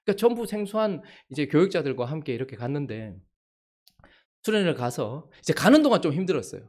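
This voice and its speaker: Animated male pastor telling a story. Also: fairly high pitch, fast. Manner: animated storytelling, acting out the people he quotes. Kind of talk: sermon with a personal story. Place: church.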